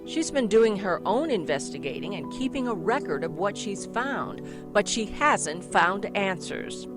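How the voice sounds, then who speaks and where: A woman reporter delivering a scripted local TV news story in a measured voice. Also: medium pitch, very animated. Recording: news clip with music behind.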